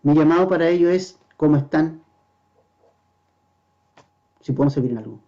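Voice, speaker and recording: Male pastor, earnest sermon voice, fairly high pitch, muffled lo-fi church recording. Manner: earnest, asks the congregation rhetorical questions; slows down to stress scripture quotes. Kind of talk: verse-by-verse sermon.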